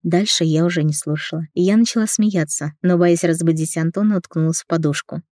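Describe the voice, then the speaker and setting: Woman reading a romance story out loud, low warm voice, dry close sound. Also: fairly even intonation, a little fast, dry recording. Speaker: audiobook reader. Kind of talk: first-person romance narration.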